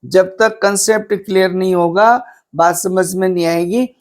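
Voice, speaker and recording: An Indian male English teacher giving a lecture, explaining step by step, asking his own questions and answering them, and slowing down on English phrases. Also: sits high, fairly even intonation. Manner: slows right down on English phrases, mixing Hindi and English. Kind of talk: classroom lecture on a poem.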